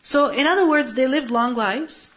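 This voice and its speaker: Muffled higher-voiced woman teaching a religious lesson. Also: normal speed, a bit bright. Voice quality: asks rhetorical questions, translates Arabic word by word. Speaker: Quran teacher. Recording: muffled lo-fi recording.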